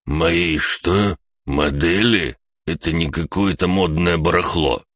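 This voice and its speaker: A man's voice: low voice, slow, fairly bright tone, no room sound, studio quality, full character voice. A man voicing a blunt, grumbling old male hermit who scolds and snaps. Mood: exasperated.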